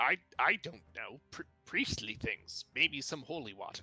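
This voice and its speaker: A man uses a put-on character voice at a fairly high pitch, speaking at a fairly slow pace. Faint music plays in the background. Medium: actual play. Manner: haughty, clipped, refers to himself grandly.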